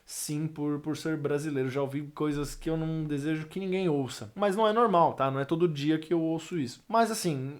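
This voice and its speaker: A young man with a São Paulo Brazilian accent, talking casually to camera in an animated way, drawing out words for emphasis. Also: fairly high pitch. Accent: São Paulo Brazilian Portuguese. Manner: animated, swings loud and soft, drawn-out emphatic phrases. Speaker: vlogger and musician.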